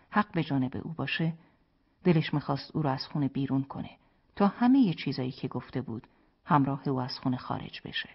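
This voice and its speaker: An audiobook narrator reading a literary story in a soft, hushed, often whispery voice. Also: medium pitch, slightly rough, lo-fi sound.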